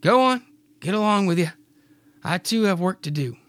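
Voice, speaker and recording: A man voicing a young farm wife, in a high put-on voice that slides into a southern drawl. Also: animated, moderate pace, a bit bright, no echo. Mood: teasing.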